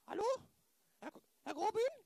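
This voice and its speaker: A man's voice: very high-pitched, sing-song, moderate pace, creaky, warm tone, no room sound, heavily acted. A man playing a chatty, flustered older female receptionist in an improvised radio play, rambling and repeating herself.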